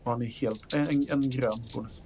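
A man's voice: medium pitch, steady tone, noisy background. A man narrating as the game master of a tabletop role-playing game, in loose, chatty narration with fillers.

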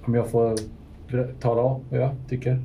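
A man's voice: mid-range voice, level tone, highs cut off, slight background noise. A man playing a tabletop game in character, persistent and argumentative. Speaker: player.

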